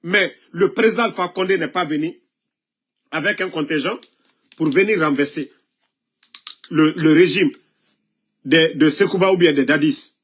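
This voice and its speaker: A man's voice: on the high side, moderate pace, pauses often, fairly bright tone. A man giving impassioned political commentary, coughing now and then from a cold, scolding and asking pointed rhetorical questions.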